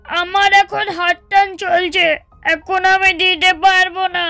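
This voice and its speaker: Curt, stingy younger brother, voiced by a performer; very high, bright and slow. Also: male voice, level tone, vocal fry, no echo, faint music behind, full character voice. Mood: dismissive. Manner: curt, dismissive. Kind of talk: cartoon voice acting.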